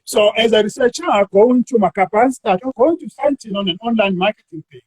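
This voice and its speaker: A South African man, a university academic, talking through an academic discussion in a measured way and drawing words out while he thinks. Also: sits high, husky, dry recording.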